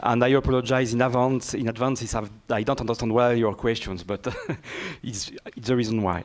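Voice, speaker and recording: A medium-pitched male voice with a strong French accent. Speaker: space agency project manager. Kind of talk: press conference Q and A. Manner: halting.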